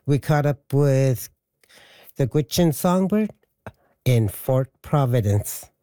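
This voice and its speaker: A man introducing a story as a radio host, in a measured, scripted announcer delivery. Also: mid-range voice, expressive, mellow, dry recording, clean studio sound.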